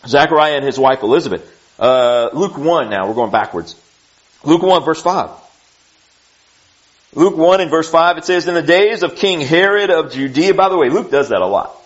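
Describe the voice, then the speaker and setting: Animated man preaching, lo-fi. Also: on the high side, moderate pace. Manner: conversational, animated, with asides and restarts. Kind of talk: sermon teaching through scripture. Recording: dull lo-fi recording.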